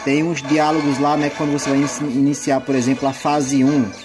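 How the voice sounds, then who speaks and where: Brazilian man chatting over loud game music. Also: medium pitch, level tone, brisk. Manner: rambling, conversational. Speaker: gaming video creator. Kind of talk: casual gameplay commentary.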